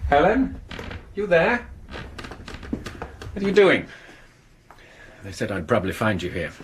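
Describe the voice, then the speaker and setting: An actor playing an exasperated, dismissive husband in a radio horror play, irritable and sardonic. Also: male voice, a little high, wildly swooping pitch, unhurried. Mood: puzzled, uneasy. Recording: noisy 1980s radio drama recording.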